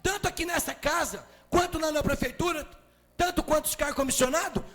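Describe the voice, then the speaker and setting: A Brazilian city councilman with a Minas Gerais accent giving a forceful, emphatic speech in the council chamber, often raising his voice. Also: very high-pitched, brisk. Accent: Brazilian Portuguese, Minas Gerais. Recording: reverberant chamber with faint music.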